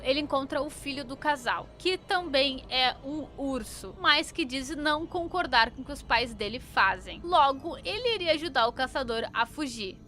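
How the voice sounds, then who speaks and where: A woman's voice: sits high, pushed and bright. A young woman with a Brazilian accent recapping a story in casual commentary, with informal, opinionated asides. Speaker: YouTube commentator.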